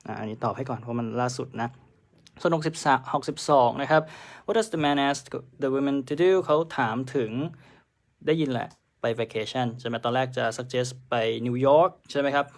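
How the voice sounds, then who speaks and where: A male test-prep teacher talks through answers in a chatty live lesson, dropping English terms into his explanations. His voice has a gravelly edge at an everyday pitch. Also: fairly even intonation, fairly quick.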